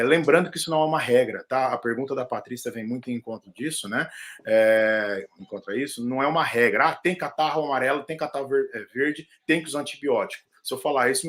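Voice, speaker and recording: A middle-aged male doctor talks through a live video call in an easygoing, explanatory way. His pitch sits in an ordinary middle range. He keeps things lively with joking asides. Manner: explanatory, animated, jokey asides. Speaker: pulmonologist. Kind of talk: casual live-stream medical chat.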